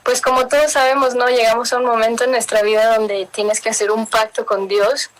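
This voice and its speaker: A woman's voice: a little high, level tone, fairly quick, poor audio. Woman with a Mexican-tinged Spanish accent. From Miami. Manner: warm storytelling, mixing in English words, laughs often. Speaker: interview guest. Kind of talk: casual interview chat.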